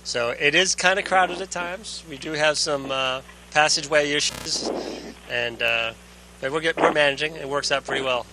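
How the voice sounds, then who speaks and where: A man, an astronaut, giving casual, halting answers in an interview. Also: fairly high pitch. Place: aboard a space station. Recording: faint hum and noise.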